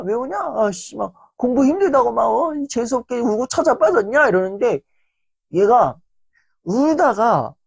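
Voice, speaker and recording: Young male lecturer, husky tone, lively pitch, dry close sound, storyteller who leans on fillers. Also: no room sound. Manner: animated anecdotal telling with constant fillers. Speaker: motivational lecturer.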